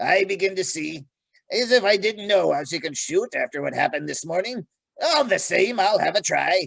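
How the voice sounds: Using a put-on character voice, a man sounds gruff and high-pitched, speaking at a moderate pace.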